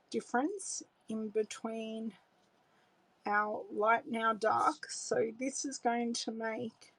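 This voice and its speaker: A slightly rough, creaky, a little high voice belongs to a middle-aged Australian woman demonstrating card making live from her indoor home craft room. She chats casually, relaxed, thinking aloud and greeting viewers as she works. The rough recording has no room sound, captured by an overhead camera showing her hands on the desk.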